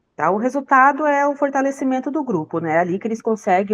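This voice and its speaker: Against a quiet background, a woman's voice makes very wide pitch swings. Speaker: teacher. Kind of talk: online lesson. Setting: video call from an open place. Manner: soft-spoken.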